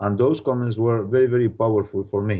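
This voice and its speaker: A man speaks with a Spanish accent. His pitch is medium and his intonation fairly even. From Spain. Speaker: project management consultant. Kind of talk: interview. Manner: halting, many fillers.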